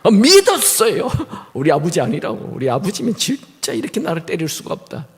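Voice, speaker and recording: A middle-aged man preaches in a church with a lively, swinging delivery, his voice sitting a little high for a man. He tells funny stories from his life between points. A long reverb from the sanctuary trails his words. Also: brisk. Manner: animated, humorous storytelling. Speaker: guest pastor. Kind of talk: sermon with storytelling.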